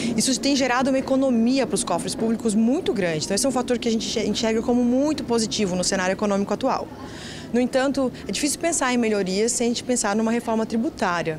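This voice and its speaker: A woman's fairly high voice at a very fast pace, very even in loudness, with ordinary pitch variation and noticeable background noise. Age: young. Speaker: economist. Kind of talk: news interview.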